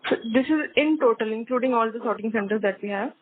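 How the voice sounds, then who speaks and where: Higher-pitched woman over phone. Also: fast, slight background noise. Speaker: financial analyst asking questions. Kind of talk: earnings call questioning. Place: conference phone call. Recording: narrow tinny phone line.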